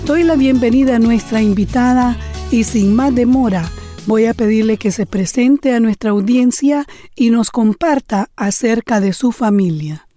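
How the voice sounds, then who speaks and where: A woman hosting an interview with a higher, mellow voice. She asks questions in a formal, courteous way, recorded dry with faint music underneath. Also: normal speed. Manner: formal, courteous, soft listening murmurs. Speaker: podcast host.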